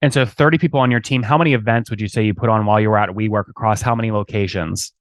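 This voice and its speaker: Brisk, pushy male host, dry sound. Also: lowish voice, fairly even intonation, no echo. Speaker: podcast host. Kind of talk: fast sales pitch and interview questions.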